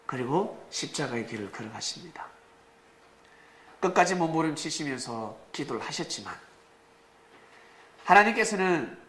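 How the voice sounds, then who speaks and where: A male pastor preaching a sermon with dramatic rises, sudden shouts and rhetorical questions to the congregation. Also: mid-range voice, a little hiss or hum. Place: church sanctuary. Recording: echoey church room, faint ambience.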